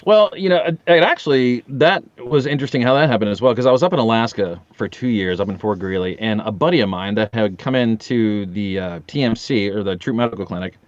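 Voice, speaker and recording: A man's voice: fairly low pitch, a little fast, few pauses, no room sound, dull audio. A man in his forties chatting casually as a podcast guest, telling anecdotes and acting out the dialogue. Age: 40s. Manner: animated storyteller, acting out quoted dialogue. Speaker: podcast guest, audio drama voice actor.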